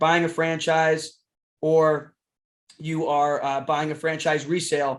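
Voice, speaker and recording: This man speaks with an American accent at a fairly high pitch. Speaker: franchise consultant. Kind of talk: podcast monologue. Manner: fast.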